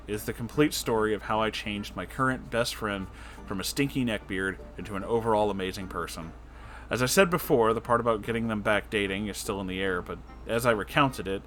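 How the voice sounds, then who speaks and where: A man reading a story aloud as an online narrator, expressive and casual, with dramatic delivery. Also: lowish voice. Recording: music behind the voice. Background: background music.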